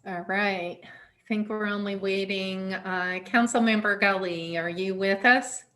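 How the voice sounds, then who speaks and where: A woman's voice: medium pitch, fairly even intonation, measured pace, bright, forceful tone. Woman chairing a video-call meeting. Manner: friendly, informal, with fillers. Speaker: council chair running a remote meeting.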